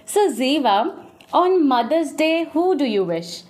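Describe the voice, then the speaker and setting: A woman's voice: high-pitched, very animated, unhurried, darkish tone. A young woman with a South Asian accent, encouraging and prompting in simple questions as she teaches a children's Bible lesson. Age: young adult. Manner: mixes English with Hindi-Urdu. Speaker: host teaching a small child.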